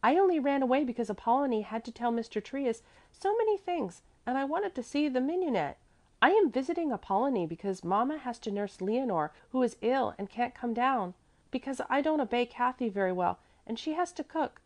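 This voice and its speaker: Woman voicing a high-pitched, chattering little girl. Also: expressive, a little fast, a little mellow, close to an everyday voice. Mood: eager, chatty. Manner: artless, eager prattle. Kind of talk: children's storybook character voice.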